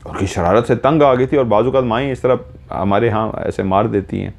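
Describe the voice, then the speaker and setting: A man narrating a horror story in the first person, slow and measured, retelling events step by step. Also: lowish voice, gravelly, slight background noise.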